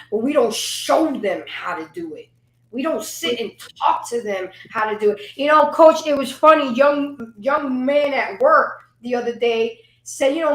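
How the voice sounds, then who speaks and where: A woman's voice: sits high, fairly bright tone, reverberant, rough recording. A woman on a casual panel chat who talks emphatically, swears freely and stumbles over repeated words when she gets worked up.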